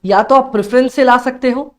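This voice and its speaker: A young man teaching a live-streamed online exam class, energetic and coaxing, who keeps repeating phrases and reads chat comments aloud. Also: very high-pitched, brisk. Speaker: accountancy exam tutor.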